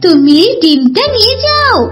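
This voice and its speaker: A woman voicing gentle, motherly talking animals in a children's cartoon, with an expressive sing-song delivery. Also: very high-pitched, normal speed, soft background music, heavily acted.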